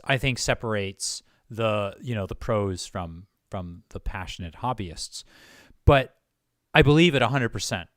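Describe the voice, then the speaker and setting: A man's voice: mid-range voice, a bit bright, no echo, studio quality. A man hosting a casual interview, talking informally with a joking, playful manner. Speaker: interview host.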